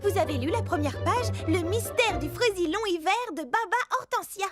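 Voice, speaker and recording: A woman voicing a sweet, caring young girl in a children's cartoon, earnest and expressive. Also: very high-pitched, moderate pace. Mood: curious, surprised. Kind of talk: French children's cartoon dub acting. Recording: children's music and jingles behind.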